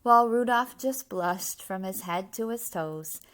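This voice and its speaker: Slow-paced woman reading a children's story aloud. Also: medium pitch. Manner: animated, emphatic rhyming delivery. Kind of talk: expressive children's read-aloud with explanatory asides.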